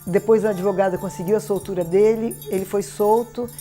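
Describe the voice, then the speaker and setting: A Brazilian woman explains in interview style with a dark, relaxed voice. Faint music plays behind her. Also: medium pitch, a little fast. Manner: explanatory, checks with listener. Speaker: expert commentator.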